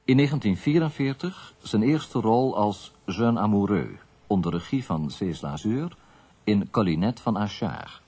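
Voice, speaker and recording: A man narrating a scripted radio biography in a measured, formal manner. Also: lowish voice, animated, dark tone, husky.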